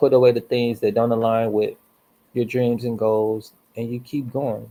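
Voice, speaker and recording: Monotone, flat intonation marks this man's speech at medium pitch and a moderate pace. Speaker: motivational livestreamer. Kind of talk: motivational talk. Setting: livestream. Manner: casual, conversational.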